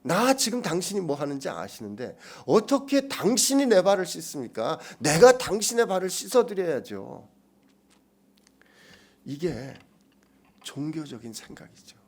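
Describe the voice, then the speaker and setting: A male pastor preaching and explaining Greek words to his congregation, moving between loud emphasis and hushed, almost whispered lines. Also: fairly high pitch, very animated, unhurried. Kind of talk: expository sermon.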